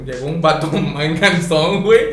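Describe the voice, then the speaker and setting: A man with a Mexican Spanish accent, co-hosting a podcast in casual chat, telling stories with slang and shouted game sounds. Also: fairly high pitch, normal speed. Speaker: podcast co-host. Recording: echoey room, far from mic.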